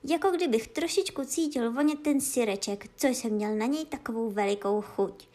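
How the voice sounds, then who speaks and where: A woman voicing a small, good-natured male dog in a children's storybook, speaking in a slow, homely, lamenting way. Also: fairly high pitch, dark tone, natural voice. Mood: musing.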